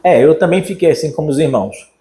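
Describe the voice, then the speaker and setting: A Brazilian pastor preaches with a fairly high-pitched voice, lively and animated as he acts out the voices of people in his story. His voice rings through a roomy, echoey church sanctuary. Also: fast talker. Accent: Brazilian Portuguese. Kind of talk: sermon.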